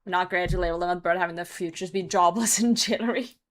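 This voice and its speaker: A woman's voice: fairly low pitch, fairly quick. A young woman who is hungover, casually chatting with her live stream and commenting on gameplay, with some swearing. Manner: sweary, reacting to chat and game. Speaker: game streamer.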